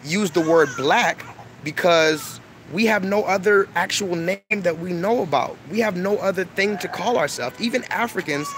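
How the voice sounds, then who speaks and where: A man's voice: high voice, moderate pace, fairly bright tone. Emphatic man lecturing over street noise. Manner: emphatic, repeats himself, lectures. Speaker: online video host. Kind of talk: preachy casual monologue. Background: street noise, crying children.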